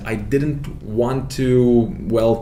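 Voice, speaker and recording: Over noticeable background noise and audible room echo, a man with a non-native accent speaks at medium pitch. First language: not English. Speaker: 3D modeling instructor. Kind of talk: live webinar tutorial. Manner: hesitant, many fillers.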